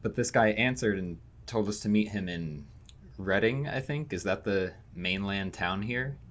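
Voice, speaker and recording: A man playing a chatty, slightly unsure college freshman in a fiction podcast, casual and halting. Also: on the low side, a bit bright. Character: nineteen-year-old male college freshman, chatty, excitable, unsure.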